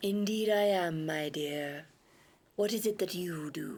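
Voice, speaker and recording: Using a put-on character voice, a woman speaks fairly slowly at a fairly low pitch. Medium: actual play. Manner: grand, measured, mystical.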